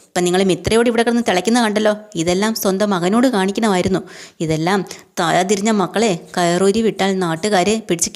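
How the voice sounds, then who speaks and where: A woman voicing a defiant, sharp-tongued young woman who mocks and scolds in a fast, everyday voice. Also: mid-range voice, natural voice. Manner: mocking, scolding.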